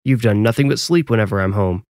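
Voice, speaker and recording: A man's voice: fairly low pitch, quick pace, a little mellow, no room sound, studio quality, natural voice. A man playing an affectionate, caring father of a young boy in a story.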